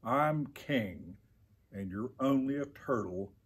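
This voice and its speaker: Storybook turtle king a male reader: tyrannical, boastful, bellowing, slow and grandiose, slightly husky. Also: mid-range voice, animated, full character voice. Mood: imperious, loud.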